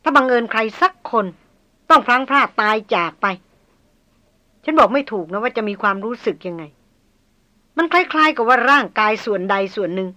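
A woman's voice: fairly high pitch, lively intonation, moderate pace, long pauses, sharp tone. A woman as a fiery, anxious young noblewoman. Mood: heartfelt. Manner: pressing, indignant questions.

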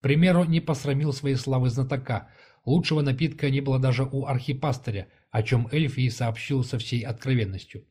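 A man narrating a fantasy novel as an audiobook, in an even, measured reading style. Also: mid-range voice, breathy edge.

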